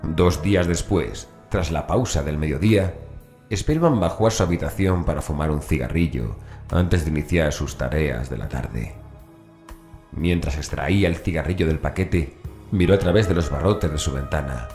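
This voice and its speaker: A man with an extremely low voice narrates a horror audiobook. He reads a scripted story, and music plays faintly behind him. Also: normal speed, a little mellow. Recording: voice over background music.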